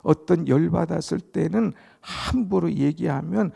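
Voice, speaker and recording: A man's voice: fairly high pitch, a little slow, creaky, dark tone, husky. A male pastor preaching a dawn prayer sermon, reading verses aloud and explaining them with dramatic emphasis.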